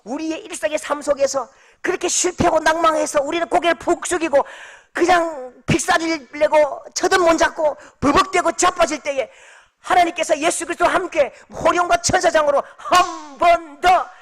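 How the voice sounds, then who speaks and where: High-voiced dramatic male pastor. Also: fairly even intonation, normal speed. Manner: dramatic, swings from shouting to hushed, acts out scenes. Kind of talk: sermon.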